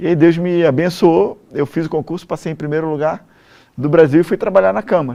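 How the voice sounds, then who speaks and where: A man's fairly high voice with a dark, mellow tone, ordinary pitch variation and a fairly quick pace. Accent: Rio de Janeiro. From Rio de Janeiro, Brazil. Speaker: politician, former army officer. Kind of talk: TV interview. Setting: TV studio.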